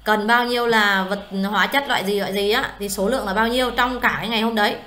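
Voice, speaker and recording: A woman, tutoring a student one-on-one in accounting software, explaining step by step and often checking that she is understood. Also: medium pitch, steady tone, fast.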